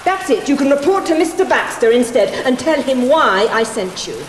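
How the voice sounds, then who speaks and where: In a reverberant space with rain, a stern British schoolteacher from a television drama. Her high voice swings sharply as she scolds in clipped, exasperated phrases. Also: sing-song, normal speed. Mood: stern exasperation. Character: stern, exasperated female schoolteacher demanding respect. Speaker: actor in a school drama series. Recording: echoey hard space with rain noise.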